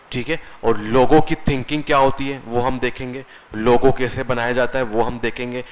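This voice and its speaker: A computer course instructor gives a conversational classroom lecture, often asking the class questions and answering them himself. His medium-pitched voice is a bit bright, and the recording is rough.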